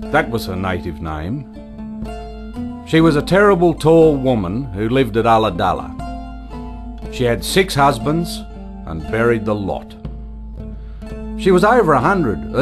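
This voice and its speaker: An actor playing a plain-spoken Aboriginal storyteller recalling family lore in a colloquial, folksy way for a radio play. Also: mid-range voice.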